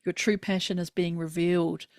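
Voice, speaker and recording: A woman's voice: on the low side, flat delivery, normal speed, darkish tone, no room sound, studio quality. A woman hosting an interview, enthusiastic and affirming with her guest. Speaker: podcast host. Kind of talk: interview conversation.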